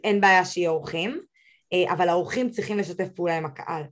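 Animated young woman giving eager advice. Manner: animated and emphatic, rising high when giving advice. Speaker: podcast guest, social media expert. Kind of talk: casual podcast conversation.

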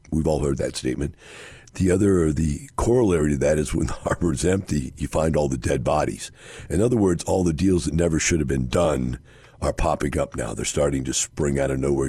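A hoarse man hosting a radio show on investing, talking casually and rambling with many fillers and restarts. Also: extremely low pitch, mellow, dry recording. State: hoarse, scratchy voice.

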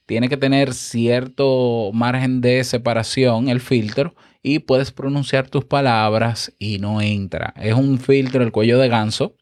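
Male podcast instructor, mid pitch, animated explainer, dead-dry close-mic sound. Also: unhurried, hardly any pauses, no echo. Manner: animated, explanatory, checks in with the listener often. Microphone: close studio microphone with compressor.

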